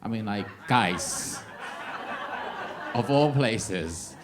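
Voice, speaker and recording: A man's voice: fairly low pitch, animated, very slow, background noise. A young gay man doing stand-up in a comedy club, speaking non-native English with a slight American twang, wry and chatty with the audience. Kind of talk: stand-up set.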